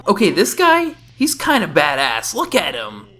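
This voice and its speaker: A woman's voice: on the low side, huge pitch swings, moderate pace. A woman giving casual, sarcastic reaction commentary as a video game reviewer, often exclamatory. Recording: voice-over with faint game music.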